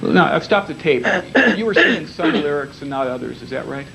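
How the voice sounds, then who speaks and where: A male lawyer asking formal, halting questions in a deposition. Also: on the high side, expressive, gravelly, a bit bright, slight background noise, low-quality recording.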